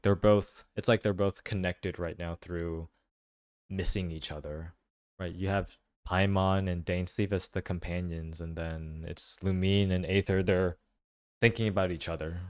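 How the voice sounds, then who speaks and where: A man giving casual reaction commentary, thinking aloud in halting phrases. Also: sits low, fairly even intonation, no room sound, studio quality, soft background music. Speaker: video commentator.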